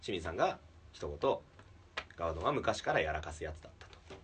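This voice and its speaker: Male comedian podcast host with a deep, lively voice, animated storytelling with acted-out quotes. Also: fast talker, recorded from a distance, a little hiss or hum. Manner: animated, acts out quotes, swings from loud outbursts to hushed asides. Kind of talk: casual storytelling chat.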